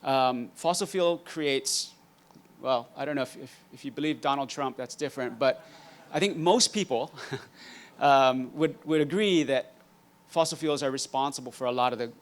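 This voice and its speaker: A man in his fifties from Hawaii, giving a conference master class in a relaxed, dry-humored way with frequent ums. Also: medium pitch, normal speed. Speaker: guest speaker, entrepreneur.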